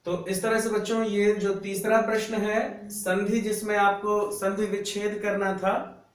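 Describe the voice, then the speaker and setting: A man with a fairly high voice teaches a grammar lesson, drawing out each syllable with slow patience so students can copy along. He stands away from the microphone, and the room gives his voice a strong, roomy echo. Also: level tone. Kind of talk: classroom lesson explaining grammar at a board. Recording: roomy echo, voice a bit far from the mic.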